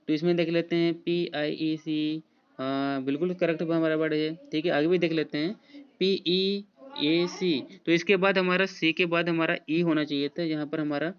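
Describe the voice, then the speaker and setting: A man's voice: on the high side, clean tone. A man, teaching an exam prep lesson in a casual way, spelling out words letter by letter with many fillers. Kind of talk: spelling quiz walkthrough. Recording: dull lo-fi voice recording.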